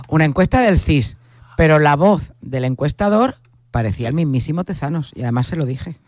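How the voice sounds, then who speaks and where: A woman's voice: sits low, animated, normal speed, a little mellow, no echo, studio quality. A woman with an accent from Spain chatting casually and wryly as a contributor on a radio show. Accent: Spanish from Spain. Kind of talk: casual chat.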